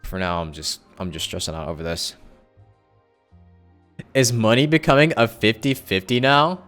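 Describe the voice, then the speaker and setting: A man's voice: lowish voice, normal speed, fairly bright tone. A man chatting casually as a live streamer, rambling and thinking aloud as he corrects himself. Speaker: live streamer and content creator. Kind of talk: casual livestream chat with viewers. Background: background music.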